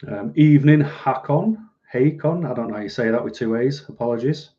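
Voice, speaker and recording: Reading out and replying to viewers' comments, a Manchester-born livestream host with a softened northern English accent rambles in a dry, sardonic style. His medium-pitched voice is mellow and relaxed but fast. The audio sounds a little dull and lo-fi.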